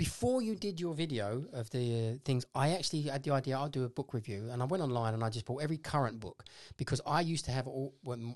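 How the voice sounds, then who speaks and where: Over a quiet background, a man with a London accent talks at a very fast pace, medium pitch and ordinary pitch variation. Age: 50s. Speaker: podcast host, knowledge school founder. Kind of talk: casual chat.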